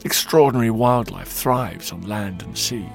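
A man's voice: fairly low pitch, normal speed, gravelly. A man narrating a history podcast as its host, in an emphatic, dramatic storytelling delivery. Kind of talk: scripted documentary narration. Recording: narration over loud music.

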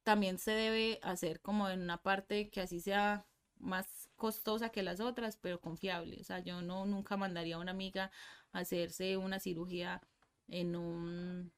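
A woman's voice: lowish voice, fairly even intonation, normal speed, clean tone. A young woman with a Medellín Colombian Spanish accent, chatting casually as a podcast guest, rambling with many fillers and restarts.

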